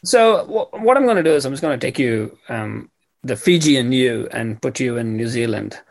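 A man hosts a radio interview in a conversational style. His voice is of medium pitch. He feels his way through questions and comments, halting and rephrasing. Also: expressive, creaky.

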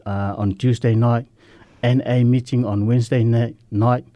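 Earnest Samoan man, mellow and dry. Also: medium pitch, steady tone, no room sound. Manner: earnest, halting, simple non-native English. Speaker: guest sharing recovery story. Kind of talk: radio interview.

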